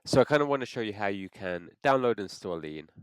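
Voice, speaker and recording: A man with a cold, sounding congested, talking through a software install step by step and thinking aloud as he clicks. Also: lowish voice, animated, quick pace, clear, resonant tone, no room sound. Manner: thinks aloud with frequent restarts. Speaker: software tutorial presenter. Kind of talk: screen-recorded how-to walkthrough.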